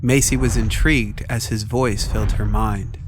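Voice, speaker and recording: A man's voice: fairly low pitch, fairly even intonation, moderate pace, background noise. A man reading scripted, dramatic story narration as the narrator. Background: prominent music.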